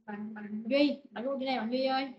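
A woman teaching an online vocabulary lesson, repeating words slowly and explaining in short phrases. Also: high voice, fairly even intonation, lo-fi sound. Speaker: English teacher.

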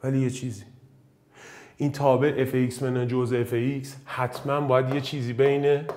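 A man from Iran teaching an exam-prep math lesson, joking and swinging between loud bursts and low muttering.

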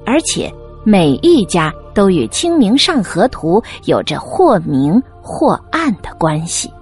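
Expressive woman reading an episode preview. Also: medium pitch, slow, faint music behind. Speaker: preview announcer.

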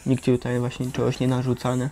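Casual young man with flat intonation. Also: medium pitch, fast talker. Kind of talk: casual, slangy chat.

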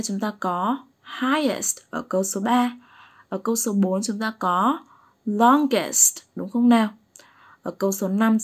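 A woman teaching an English lesson, explaining slowly and patiently and often checking that her pupils follow along. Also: mid-range voice. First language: Vietnamese. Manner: patient, keeps asking "right?" to check understanding.

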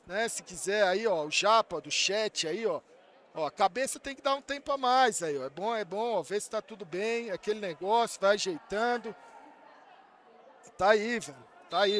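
Excitable Brazilian streamer shouting at a match. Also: male voice, high-pitched. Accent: Brazilian Portuguese. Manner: excitable, shouts at players, swears, says "velho" often. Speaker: streamer reacting to a football match. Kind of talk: live watch-along commentary.

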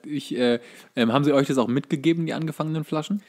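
A man's voice: fairly high pitch, fast, darkish tone. A man co-hosting a podcast, griping emphatically in casual, humorous banter. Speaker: podcast co-host and actor telling casting stories.

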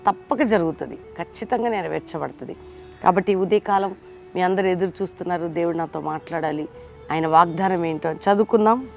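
Lowish woman voice doing a morning devotion, earnest and pleading, soft music under it. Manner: earnest, pleading, repeats phrases in lists. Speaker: devotion leader. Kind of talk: morning devotional sermon and prayer.

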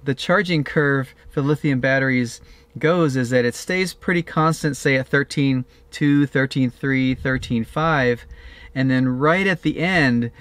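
A man's voice: mid-range voice, unhurried, fairly bright tone, no echo. Middle-aged man explaining RV wiring outdoors. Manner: plain-spoken, explains step by step with frequent "uh" restarts. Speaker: RV DIY vlogger. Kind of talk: casual how-to explanation. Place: outdoors beside an RV, and inside the cab of a van.

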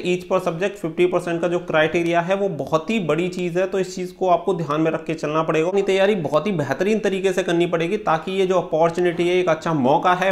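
High-pitched man, explaining. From India. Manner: instructional, mixes in English words. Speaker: exam-prep coach and channel host. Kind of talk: explanatory talk to camera for exam candidates. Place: small room indoors.

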